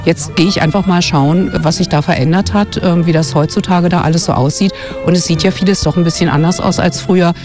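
A woman's voice: lowish voice, fairly even intonation, fairly quick, few pauses, music in the background. A woman from West Berlin, a radio journalist and travel guide author, explaining fluently and thoughtfully in a radio interview on a forest walk. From West Berlin, Germany. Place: outdoors on a winter forest walk.

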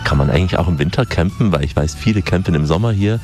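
A man's voice: low-pitched, quick pace, music in the background. A man presenting a show, moving between scripted narration and interview questions. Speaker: radio host and reporter.

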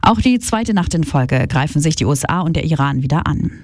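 A newsreader presenting a radio news bulletin in a clear, even way. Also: medium pitch, a little fast, no echo, studio quality.

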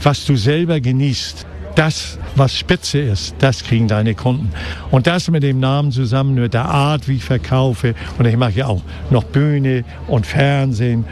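A man's voice: mid-range voice, unhurried, darkish tone. Old guy, 80s, market fish seller, talks like a showman, keeps tacking on "ne", outdoors at a market. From Hamburg, Germany. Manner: chatty showman, tag questions like "ne". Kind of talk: casual interview.

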